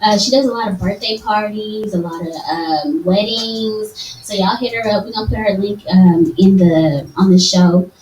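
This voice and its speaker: A woman co-hosting a podcast in casual chat, animated and hyping up her listeners. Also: mid-range voice, normal speed, few pauses. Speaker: co-host. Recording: echoey room, distant mic, faint noise.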